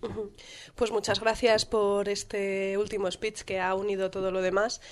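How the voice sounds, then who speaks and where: A woman's voice: mid-range voice, flat delivery, normal speed. Teasing woman hosting a radio show. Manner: teasing, blunt, jokey. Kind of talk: casual radio chat.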